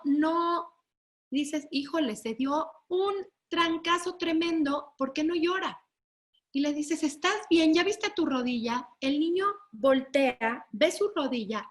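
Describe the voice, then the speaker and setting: Lady teaching a webinar, high voice, keeps asking if everyone's following. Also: a bit bright. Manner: explanatory, asks the audience "¿sí?" to check understanding; acts out children and parents in raised voices. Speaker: lecturer. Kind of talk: webinar lecture.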